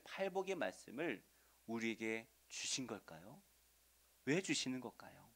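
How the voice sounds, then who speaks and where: Brief: male pastor preaching in a church, slightly raised pitch, keeps asking the pews questions, dynamic shifts from loud to quiet. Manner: asks the congregation questions and answers them; swings between loud stresses and soft asides. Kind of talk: Sunday sermon. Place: church sanctuary.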